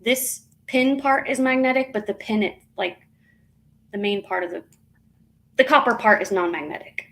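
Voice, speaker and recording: A woman's voice: medium pitch, poor audio. A woman hosting a live jewelry auction stream, chatting casually and rambling with fillers and self-corrections as she shows each piece.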